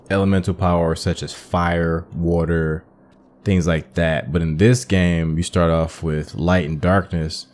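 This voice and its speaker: A man's voice: low voice, a little mellow. A man giving casual, musing, conversational commentary as he plays a video game. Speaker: gaming YouTuber.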